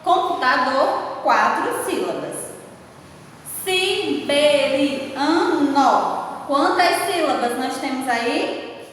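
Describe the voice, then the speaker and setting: Brazilian Portuguese woman teacher, patient and unhurried, recorded at a distance with a long reverb and faint hiss. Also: sits high, expressive, fairly bright tone. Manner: patient, checking in with "né?" and "certo?". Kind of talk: slow spoken class lesson. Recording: echoey room, far from the mic, faint noise.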